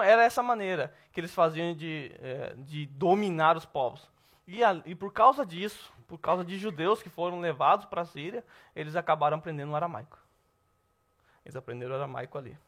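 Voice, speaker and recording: A Brazilian man teaching a Bible class at church, lively and asking the class questions. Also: fairly high pitch. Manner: lively, asks the class questions, says "tá bom?" often.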